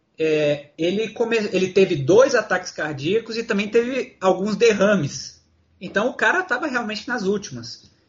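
Using lively intonation, a man speaks at a moderate pace in a high voice. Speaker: crime storytelling podcast co-presenter. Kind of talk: casual chat.

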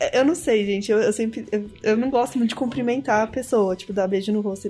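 Music plays in the background while the speaker's pitch varies in an ordinary way. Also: woman. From Brazil, São Paulo. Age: 20s. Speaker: front-end developer. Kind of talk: casual chat.

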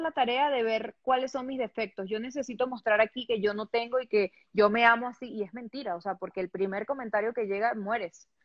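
Someone with a Venezuelan accent talks at a fairly quick pace with ordinary pitch variation. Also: woman. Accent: Venezuelan accent, noticeable in Mexico. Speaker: influencer. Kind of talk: casual chat. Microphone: connection briefly froze.

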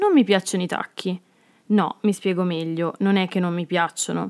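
A woman in a normal speaking voice, medium pitch and fairly even intonation. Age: 20s. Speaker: podcast host. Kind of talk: scripted monologue. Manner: playful.

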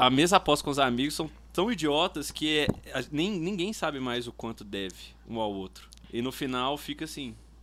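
With a plain, everyday voice, a man speaks at a moderate pace and fairly high pitch with lively intonation, in a very clean recording with a silent background. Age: 20s. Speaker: podcast co-host, graphic designer. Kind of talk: casual comedic chat.

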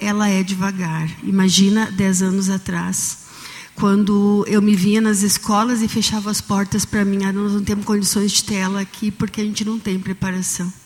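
Over noticeable background noise, a woman speaks fairly slowly at a medium pitch in a flat monotone. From Rio Grande do Sul, Brazil. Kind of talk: public testimony at council meeting.

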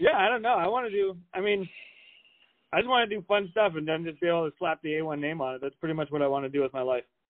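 Very fast and lively in intonation, a man speaks in a high pitch. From New England. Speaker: podcast host. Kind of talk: casual chat. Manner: fast talker.

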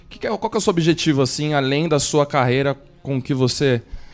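A man is speaking. Music plays in the background. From São Paulo, Brazil. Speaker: podcast host. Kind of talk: casual chat.

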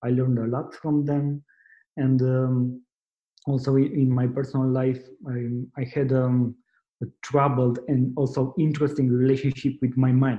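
In a Romanian accent, a man speaks at a fairly slow pace and medium pitch, his somewhat breathy voice flat and monotone. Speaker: entrepreneur and finance educator. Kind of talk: interview. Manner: halting.

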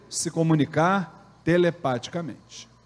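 A man speaks at a fairly slow pace. His pitch sits fairly high for a man. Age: middle-aged. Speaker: spiritual leader of a Umbanda temple. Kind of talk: religious Q&A talk. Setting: temple with live audience. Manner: animated.

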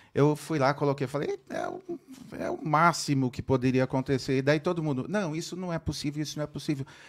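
In a very clean recording with a silent background, a man with a fairly high pitch speaks in an unremarkable speaking voice with ordinary pitch variation. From Marília, São Paulo state, Brazil. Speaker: podcast host. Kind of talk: interview.

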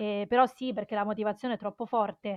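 A woman rattles along very fast at a medium pitch, her intonation fairly even. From Italy. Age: 30s. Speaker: food business founder. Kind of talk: casual interview.

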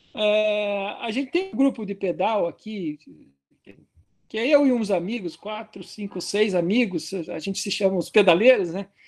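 Talking at a fairly slow pace, a man with a high-pitched voice shows ordinary pitch variation. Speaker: history professor. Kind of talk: interview.

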